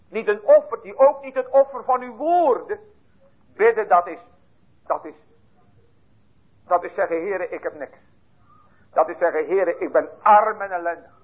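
A man preaching a fervent sermon, dropping to hushed tones and then rising to loud appeals. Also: high-pitched, slightly rough. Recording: tinny lo-fi sermon recording.

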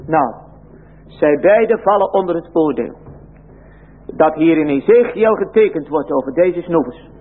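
A man's voice: a little high, expressive, a little slow, long pauses, husky. A man preaching a sermon in an emphatic style, using old biblical phrasing. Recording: tinny lo-fi phone-like recording.

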